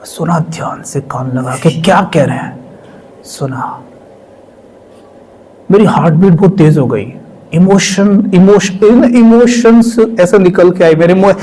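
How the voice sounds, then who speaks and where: A male spiritual speaker telling a personal testimony with emotion, sometimes dropping to a hush. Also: high voice, unhurried, slight background noise, rough recording. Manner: emotional, drops to hushed tones for quoted voices.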